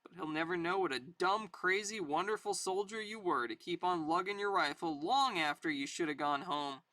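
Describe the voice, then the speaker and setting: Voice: mid-range voice, normal speed, bright, forceful tone, no room sound, close to an everyday voice. A person reading aloud a tough, weary army sergeant from a war comic in dramatic style. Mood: grieving, bitter. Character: tough weary army sergeant, gruff battle-hardened narrator.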